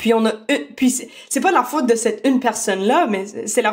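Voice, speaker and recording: A woman with an Acadian accent speaks with ordinary pitch variation. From New Brunswick, Canada. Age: 20s. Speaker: francophone youth activist. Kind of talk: interview answer.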